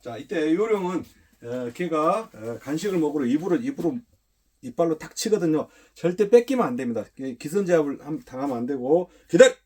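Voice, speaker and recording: A man working as a dog trainer, demonstrating training, who mixes short firm commands with calm explanations indoors. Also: a little high, a little fast. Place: indoors, a room.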